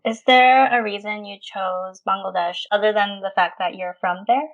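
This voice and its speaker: A woman's voice: mid-range voice, steady tone, normal speed, highs cut off. A young woman co-hosting a health podcast, asking questions in an upbeat, encouraging way. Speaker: podcast co-host. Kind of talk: podcast interview.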